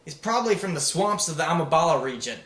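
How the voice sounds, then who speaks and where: A man's voice: a little high, big pitch swings, fast talker, a bit bright, roomy sound. A man voicing a cheerful, folksy talking male patchwork teddy bear.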